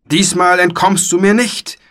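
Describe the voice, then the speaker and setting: A man's voice: very high voice, very slow, sharp tone, slightly rough, pitched above the performer's own voice, full character voice. A man reading a storybook, voicing a tiny, belligerent white knight who bellows old-fashioned challenges. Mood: bellowing. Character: small boastful white knight, toy-sized, belligerent.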